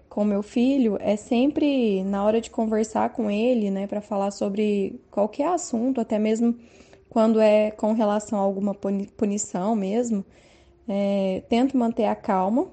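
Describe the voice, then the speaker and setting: A woman in her thirties with a Brazilian Portuguese accent talks about raising her child. Her voice is mellow and sits at a middle pitch. She speaks softly and without hurry, and keeps checking in with a gentle tag question. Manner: soft-spoken, unhurried, frequent tag questions. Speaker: mother sharing parenting tips. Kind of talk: calm personal testimony.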